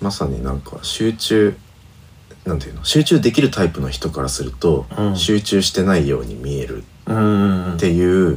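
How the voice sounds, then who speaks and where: A man's very deep, low voice with very wide pitch swings and big swings in loudness. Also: moderate pace. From Gifu, Japan. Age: 30s. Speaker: podcast co-host, singer-songwriter. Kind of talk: casual chat.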